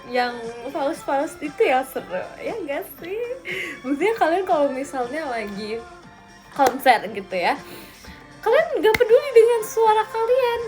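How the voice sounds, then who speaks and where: A young woman in her twenties with a high, light voice chats on a live stream, answering viewer comments in a teasing, giggly way. Faint music plays quietly underneath. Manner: giggly, playful, teasing, frequent laughter. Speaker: idol livestreamer.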